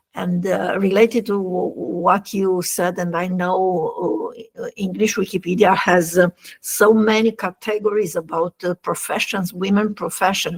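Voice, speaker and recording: Delivered at a fairly slow pace, the voice carries an Italian accent. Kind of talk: seminar discussion. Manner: hesitant, many fillers.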